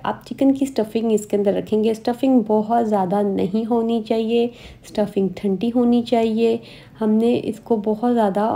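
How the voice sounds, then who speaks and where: A woman, calmly guiding viewers step by step through a recipe as a cooking host in voice-over. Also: mid-range voice, vocal fry. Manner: calm step-by-step instructions.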